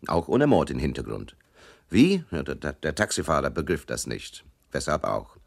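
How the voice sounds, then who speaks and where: A deep-voiced, cocky hard-boiled sleuth. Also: male voice, sing-song, normal speed, vocal fry, full character voice. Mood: wry narrating. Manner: wry, slangy, offhand. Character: wisecracking hard-boiled male investigator, cocky and flippant. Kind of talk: radio crime drama, narration and dialogue.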